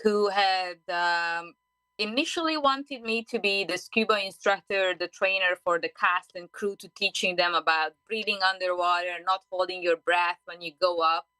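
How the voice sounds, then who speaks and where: A woman in her forties from Hungary with a Hungarian accent, a diving guest telling her story in an animated radio interview. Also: fairly low pitch, moderate pace, smooth, dry recording, poor audio. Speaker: guest, underwater safety diver. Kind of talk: interview conversation. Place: radio studio.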